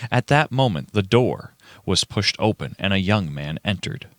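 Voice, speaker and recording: Amateur male narrator for a radio play reading: bright voice, mid pitch, dry close recording. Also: animated, moderate pace, dry recording. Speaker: narrator and reader of all parts.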